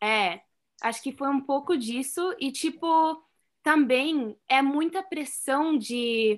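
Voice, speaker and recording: A woman talks at a very slow pace in a high pitch. Her intonation is lively, and the background is quiet. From Canada. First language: English (speaking Portuguese). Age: 20s. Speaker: guest. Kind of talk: casual chat.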